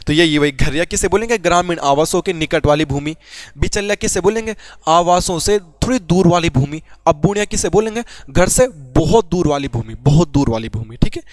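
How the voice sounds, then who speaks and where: A man's voice: fairly high pitch, expressive, brisk, no room sound. Chatty young male exam teacher. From Uttarakhand, Garhwal. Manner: chatty, asks and answers his own questions. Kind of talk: informal Hindi exam lesson.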